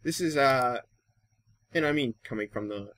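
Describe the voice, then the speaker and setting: A man's voice: mid-range voice, moderate pace, fairly bright tone. Rambling American man doing game commentary. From Wisconsin, United States. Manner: rambling, thinking aloud. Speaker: gaming YouTuber and host. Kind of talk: casual Let's Play commentary.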